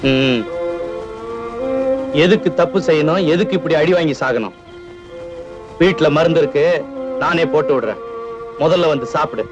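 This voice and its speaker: A man's voice: a little high, moderate pace, pauses often, close to an everyday voice. An actor playing a stern but caring village elder man who scolds the youths. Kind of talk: 1980s Tamil film comedy. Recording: dull old film soundtrack with music.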